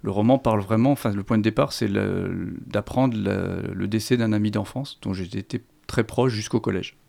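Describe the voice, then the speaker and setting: A man's voice: lowish voice, moderate pace, vocal fry, warm tone. A middle-aged man from Lorraine whose first language is Lorraine Franconian, speaking hesitantly with many restarts as an author in an interview. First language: Lorraine Franconian (Platt). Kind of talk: literary interview.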